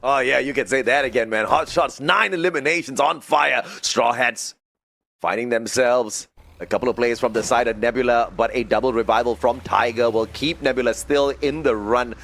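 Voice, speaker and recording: A man's voice: medium pitch, moderate pace, gravelly, a bit bright, no room sound. Male esports caster calling live play. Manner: esports caster delivery, narrating the action with exclamations.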